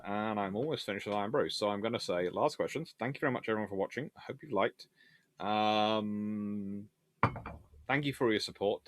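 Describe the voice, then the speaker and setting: A man hosting a casual live question-and-answer stream on naval history, chatty and animated, talking in a stop-start way with trailing asides. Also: on the low side. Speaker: livestream host answering viewer questions.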